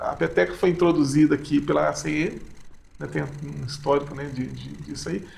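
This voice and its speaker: A man's loudness swings a lot as he talks at a moderate pace. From Brazil, Belo Horizonte (Minas Gerais). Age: 40s. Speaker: physical education teacher and facilitator. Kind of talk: interview. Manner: hesitant, many repetitions and fillers.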